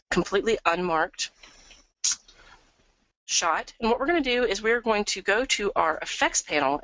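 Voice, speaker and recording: A woman presenting a live software tutorial webinar, upbeat and chatty, a bit sniffly from a cold. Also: medium pitch, no room sound. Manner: upbeat, chatty, lots of "we're gonna". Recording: dull, dry lo-fi webinar audio.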